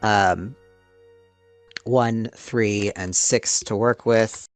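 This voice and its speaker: A slow-speaking game player with an average pitch thinks aloud in casual, halting chat. Music plays clearly behind the voice. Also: steady tone, dry recording. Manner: hesitant, puzzling things out.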